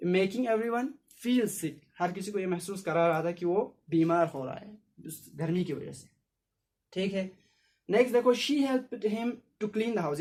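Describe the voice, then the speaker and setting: A male teacher giving a classroom English lesson, explaining in Hindi and reading English example sentences slowly. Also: a little high, a little mellow. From Ladakh, India.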